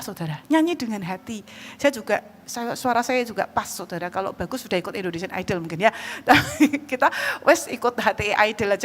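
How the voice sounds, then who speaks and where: A woman evangelist with a Javanese accent preaching a sermon in a church hall, lively and joking, often calling out to the congregation. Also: medium pitch. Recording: reverberant church hall, faint background noise.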